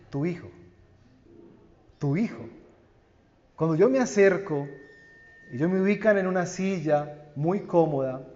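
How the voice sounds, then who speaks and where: Slow, earnest Colombian pastor preaching. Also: male voice, a little high. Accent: Colombian Spanish. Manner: slow, earnest preaching with swells and hushed endings. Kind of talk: sermon. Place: church sanctuary. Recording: dull church recording with long reverb.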